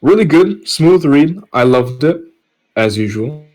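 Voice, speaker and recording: A man's voice: fairly high pitch, animated, unhurried, darkish tone. A man chatting casually on a podcast, joking and self-deprecating. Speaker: podcast reader and co-host. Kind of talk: casual group chat. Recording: clearly noisy background.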